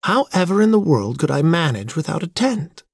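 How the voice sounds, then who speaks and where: A man's voice: high voice, lively intonation, normal speed, a little mellow, slightly rough, no echo, clean studio sound, pitched above the performer's own voice. A man voicing a dainty, fussy, sentimental young woman in a storybook, pleading theatrically. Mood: dismayed.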